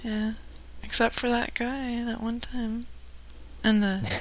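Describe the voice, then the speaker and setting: A woman co-hosting a prank-call show in casual chat, talking in a dry, low-key way and sometimes dropping to a murmur. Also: level tone, slow pace, rough recording. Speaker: co-host.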